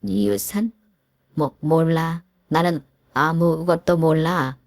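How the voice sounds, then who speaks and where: A woman's voice: deep voice, takes it slowly, gravelly, a little mellow, dry recording, clean studio sound, voice pushed up, full character voice. A woman voicing a spiteful, bullying middle-aged mother-in-law who sneers and stammers when cornered, in a scripted storytelling reading. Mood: scornful.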